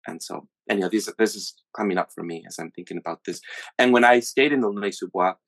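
A man in his thirties from the USA, talking in a relaxed conversational way, pausing often with fillers and restarts as he searches for words. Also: on the low side, vocal fry, no echo. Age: 30s. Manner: hesitant, many fillers and restarts. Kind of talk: casual conversational chat.

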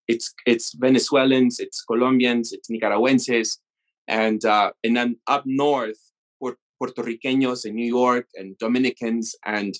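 A man's voice: medium pitch, a bit bright, low-quality recording. A man from Mexico in casual conversation, rambling and laughing as he tells stories, often cutting himself off mid-sentence. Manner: rambling, self-interrupting, laughing storyteller.

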